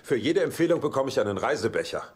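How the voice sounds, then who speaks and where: A man acts out a cynical bachelor uncle of a sitcom. His delivery is dry and wisecracking, with lively intonation, over heavy noise on the soundtrack. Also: mid-range voice, quick pace, natural voice. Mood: wry, casual. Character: laid-back cynical womanizing bachelor uncle. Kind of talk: German-dubbed sitcom acting. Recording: very noisy TV soundtrack with clicks.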